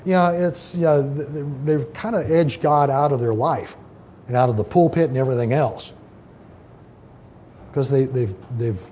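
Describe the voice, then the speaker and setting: Mellow-voiced preacher man, conversational. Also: medium pitch, a little hiss or hum. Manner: conversational, many fillers and restarts, reads quotations aloud. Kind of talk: informal Bible teaching.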